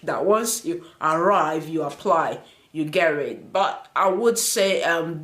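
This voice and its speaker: A woman's voice: on the low side, reverberant. A woman vlogger giving earnest immigration advice, repeating points, with many fillers and a first language other than English. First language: not English. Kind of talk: advice vlog to the camera.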